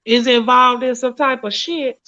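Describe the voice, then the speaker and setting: A woman's voice: a little high, fairly even intonation, unhurried, pushed and bright. A blunt, profane woman, hosting a casual talk show. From Mississippi, US. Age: late 30s. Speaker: host. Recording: lo-fi stream audio.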